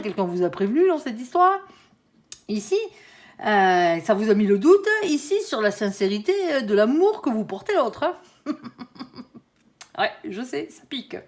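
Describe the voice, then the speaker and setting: A woman with a Southern French accent talks through a tarot reading in a loose, chatty way. She peppers her sentences with small tag words and chuckles at her own jokes. Her voice sits a little high and swings widely in pitch. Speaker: tarot reader. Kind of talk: casual astrology tarot reading.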